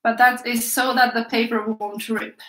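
With little pitch movement, a fairly high pitch, normal speed and a slightly bright tone, a Swedish woman in her thirties talks viewers through a paint-along. She's chatty and encouraging while painting at an easel in a small echoey room, the camera a few feet away as she now and then turns aside.

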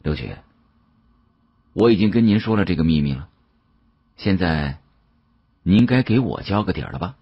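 A man voicing a savvy, guarded young male antique dealer in an audiobook, with a husky voice. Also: sits low, sing-song, moderate pace, pauses often, no room sound, lo-fi sound, full character voice. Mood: polite, pressing.

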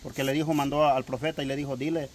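A man's voice: medium pitch, level tone, rapid-fire, slight background noise. Preachy man. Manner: preachy, retells Bible stories with rising emphasis. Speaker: religious cousin. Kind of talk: comedic sketch conversation.

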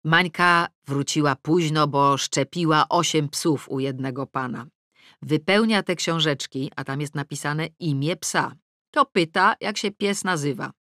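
A woman's voice: low voice, unhurried, no room sound, clean studio sound. Wry woman narrating an audiobook. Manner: wry, lively storytelling with comic timing. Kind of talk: first-person audiobook narration. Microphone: close studio mic.

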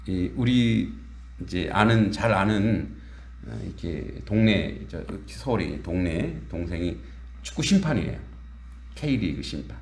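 A man preaching a sermon as pastor, in a conversational, animated way with quoted dialogue and laughter. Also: deep voice, slow pace, creaky. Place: church sanctuary. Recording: echoey church hall.

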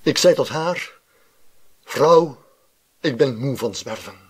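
A man recites verse in a theatrical style at a slow, weighty pace. His voice is husky and rough-edged, and he swings between loud outbursts and hushed phrases. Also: mid-range voice. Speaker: poetry reciter. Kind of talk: dramatic poetry recitation.

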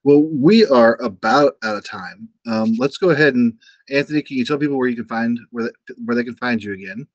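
A quiet, soft-spoken man hosting a live-stream chat, talking hesitantly with many fillers. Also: mid-range voice, a little fast, dry recording, muffled recording. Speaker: host.

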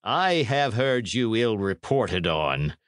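A man's voice: lowish voice, big pitch swings, slow pace, fairly bright tone, no echo, exaggerated voice. A man voicing a menacing, coldly mocking knight in a storybook, with a dry, commanding manner and archaic speech. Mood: stern, accusing.

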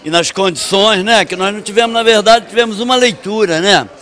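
An actor talks calmly and modestly about a long dramatized reading. His voice sits fairly high. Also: fairly quick.

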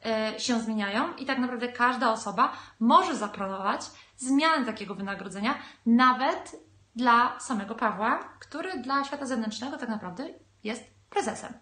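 A woman's voice: a little high, expressive, moderate pace, sharp tone. Woman hosting, echoey room, hesitant. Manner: many hesitation fillers between phrases. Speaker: event host. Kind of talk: video introduction to camera. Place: small bright room indoors.

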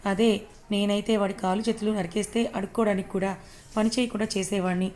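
A woman's voice: mid-range voice, steady tone, fast talker, darkish tone, slight background noise, lightly acted. A woman voicing a distraught middle-aged father, anguished and pleading.

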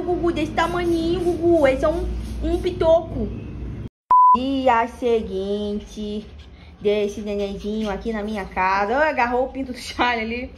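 A woman's voice: on the high side, background noise. A young Brazilian woman with a Rio de Janeiro accent, vlogging at home on a phone and talking baby-talk to her dogs while laughing often. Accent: Rio de Janeiro Brazilian Portuguese. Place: home, indoors.

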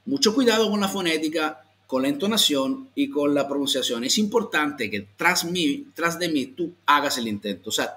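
A man from Italy with an Italian accent, a language teacher giving an online lesson and sounding out slow model phrases to repeat. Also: on the high side, pushed and bright.

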